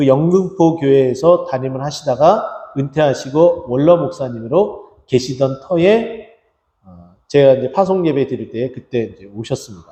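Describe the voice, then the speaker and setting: Speaking at a fairly slow pace, a man with a fairly high voice uses lively intonation. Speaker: pastor. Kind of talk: sermon. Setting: church. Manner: halting.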